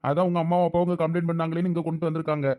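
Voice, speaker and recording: Strict, fast-talking policeman, high male voice, acted. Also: level tone, darkish tone, close to an everyday voice. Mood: sceptical. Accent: Tamil. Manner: official, questioning. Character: strict, sceptical by-the-book police officer. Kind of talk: cartoon drama dialogue.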